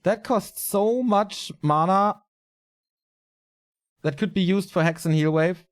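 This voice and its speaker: Man, game commentator, slightly raspy, tired, casual, fairly high voice. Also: slow. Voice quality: casual, chatty delivery with fillers. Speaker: esports caster.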